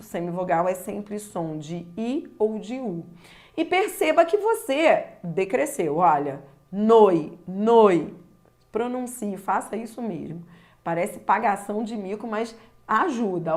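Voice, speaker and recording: A Brazilian woman teaching a grammar lesson, stretching key words and speaking straight to the viewer. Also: medium pitch. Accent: Brazilian Portuguese. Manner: slow and deliberate, stretching key words, addressing the viewer directly.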